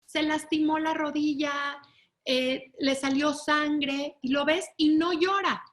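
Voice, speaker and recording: A woman's voice: sits high, fairly even intonation, slow, fairly bright tone. A woman giving a webinar lecture, explaining things step by step and often checking in with her audience. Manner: acts out children and parents in raised voices.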